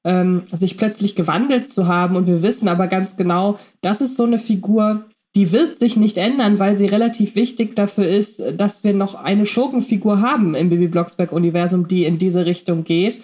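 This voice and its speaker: A woman's voice: mid-range voice, steady tone, normal speed, few pauses, mellow. A woman co-hosting a casual fan podcast, reflecting in long winding sentences full of fillers. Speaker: podcast co-host.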